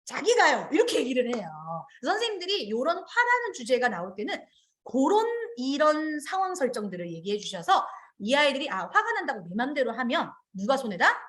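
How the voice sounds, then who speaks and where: Animated Korean woman lecturing teachers. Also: high-pitched, brisk. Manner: animated, acts out children's and teachers' lines. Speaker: early childhood education trainer. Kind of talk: online teacher training lecture.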